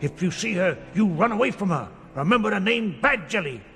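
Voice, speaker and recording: A man's voice: sits high, expressive, a little fast, a bit bright, in a large hall. A man voicing a friendly, chatty little male mouse in a storybook.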